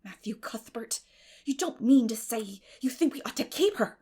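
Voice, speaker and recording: A woman voicing a stern, practical older spinster in an audiobook, with a brisk, scolding, emphatic manner. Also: fairly high pitch, lively intonation, dark tone, breathy edge. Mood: astonished, indignant.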